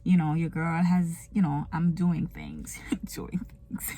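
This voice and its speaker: A woman's voice: low voice, sing-song, slow, dark tone. A woman from Kingston with a Jamaican accent, chatting casually to her viewers from inside her car, laughing often and slipping into patois. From Jamaica, raised in Kingston. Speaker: vlogger and small business owner. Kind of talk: casual get-to-know-me chat.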